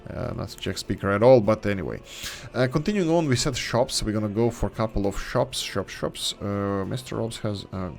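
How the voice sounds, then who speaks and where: A man's voice: fairly low pitch, animated, normal speed, vocal fry, few pauses. A man hosting a gaming video, talking casually and thinking aloud as he builds, with rambling asides and corrections. English is not his first language. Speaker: gaming channel host. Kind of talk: casual let's-play commentary.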